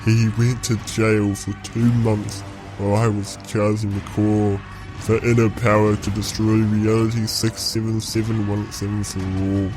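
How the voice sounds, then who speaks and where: A man playing a low, gloating vengeful villain. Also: level tone, lightly acted, low-quality recording. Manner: gloating, deliberate, theatrical storytelling. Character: vengeful male clone villain plotting to destroy a reality. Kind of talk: scripted audio roleplay monologue. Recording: music behind the voice.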